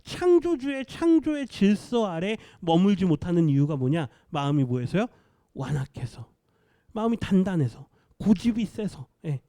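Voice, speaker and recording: A male pastor giving an expository sermon. He asks the congregation questions, answers them himself, and drops to a quiet voice to stress key words. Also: high-pitched, no room sound, studio quality.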